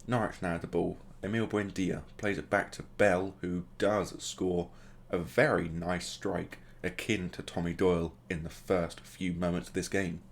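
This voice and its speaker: A man's voice: sits low, fairly even intonation, unhurried, gravelly, hardly any pauses. A man hosting a gaming video, casually commentating the play as it happens and adding joking asides. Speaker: gaming channel host.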